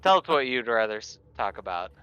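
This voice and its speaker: A male tabletop player with a clear, forward voice banters casually in character. The recording is a little dull and lo-fi. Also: lowish voice, very animated, a little fast, bright, forceful tone.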